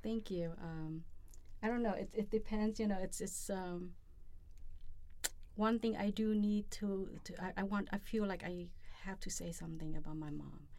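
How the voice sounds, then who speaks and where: A middle-aged woman from Vietnam, speaking earnestly and haltingly in a personal interview. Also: mid-range voice, dark tone. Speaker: interviewee, federal employee.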